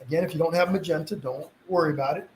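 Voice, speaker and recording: A man's voice: a little high, quick pace. A man with slight sniffles leads a casual live painting tutorial in a reassuring, easygoing way. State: slight sniffles from a mild cold. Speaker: painting instructor hosting a live session. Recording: roomy echo, some background noise.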